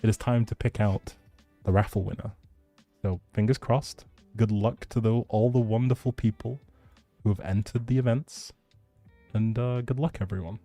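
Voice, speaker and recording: Mellow, low-voiced man chatting on stream. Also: steady tone, moderate pace, no echo, faint music behind. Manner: chatty, rambling, informal. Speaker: livestream host. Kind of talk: casual livestream chat, giveaway announcing.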